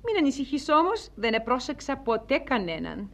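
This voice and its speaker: A woman playing a dignified, sharp-tongued wronged wife in a theatrical comedy, composed, formal and dryly ironic. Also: high-pitched, very animated, full character voice. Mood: coolly defiant. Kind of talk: theatrical stage-comedy acting.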